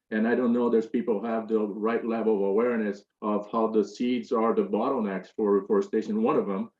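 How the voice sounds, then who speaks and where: A man with a fairly low voice asks a long question from the floor of a panel, hesitating often and restarting his phrases. The sound is roomy and a little dull, as if picked up from across a hall. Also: a little mellow. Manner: hesitant, many fillers and restarts. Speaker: audience member asking a question. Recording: roomy, dull room audio.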